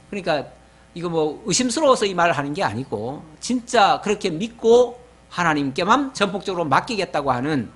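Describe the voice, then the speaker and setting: Korean pastor with a lively, rising-and-falling voice. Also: male voice, on the high side, husky. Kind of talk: expository Bible sermon.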